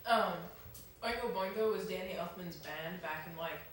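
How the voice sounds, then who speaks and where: Giggly young woman in an echoey room. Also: lowish voice. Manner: giggly, quick to agree and chime in. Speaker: co-host. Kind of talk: casual chat. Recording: echoey room, mic far off, noisy.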